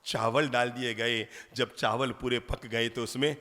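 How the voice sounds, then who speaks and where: A man preaching, telling a story with lively rhetorical questions. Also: medium pitch, a little slow. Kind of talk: storytelling sermon. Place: large lecture hall. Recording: long hall reverb.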